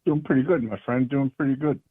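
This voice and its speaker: A man, co-hosting a talk radio show in an easygoing, halting way. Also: mid-range voice, slightly rough, dry recording. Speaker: co-host. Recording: tinny phone line.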